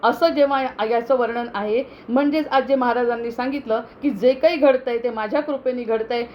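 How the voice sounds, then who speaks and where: High-voiced woman giving devotional discourse. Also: fairly even intonation, lo-fi sound, a little hiss or hum. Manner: slow measured chanting of Sanskrit verses; explanatory, self-correcting talk with fillers. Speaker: spiritual discourse speaker. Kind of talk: devotional chanting then spiritual discourse.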